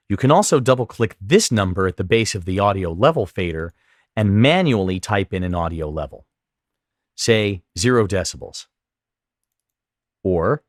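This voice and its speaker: A man giving step-by-step instructional narration as a software tutorial instructor, explaining clearly what he does on screen. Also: lowish voice, no echo, studio quality.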